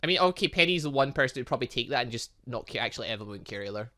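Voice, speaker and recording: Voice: mid-range voice, animated, rapid-fire, bright, forceful tone. A chatty gaming host giving rambling let's play commentary, thinking aloud while reading a visual novel and reacting to it.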